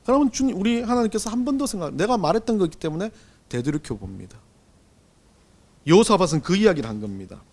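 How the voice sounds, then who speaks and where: A middle-aged man preaching a Sunday sermon as pastor, swinging between loud and hushed delivery. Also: high-pitched, big pitch swings, quick pace. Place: church sanctuary.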